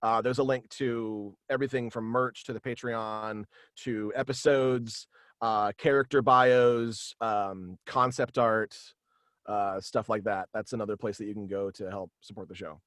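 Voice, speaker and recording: A young man talking casually as an interview guest, in a halting, rambling way over a video call. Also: lowish voice, steady tone, fairly bright tone, dry recording, studio quality. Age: young adult. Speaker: guest, voice actor and podcast creator. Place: small room at home, video call.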